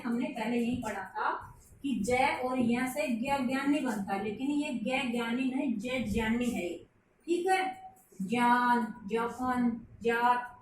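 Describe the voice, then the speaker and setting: A woman with a high voice gives a patient grammar lesson, going over each point again for her young students. She sits back from the microphone. The room rings with heavy echo under a faint hiss. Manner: patient, repeats points, calls listeners child. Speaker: Hindi teacher. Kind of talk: classroom lesson explaining to children. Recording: very echoey room, mic at a distance, faint hiss.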